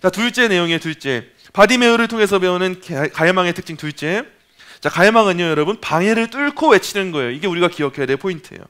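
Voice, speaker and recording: A man preaching a sermon at a Friday evening prayer meeting, emphatic and animated, acting out voices. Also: sits high, fast.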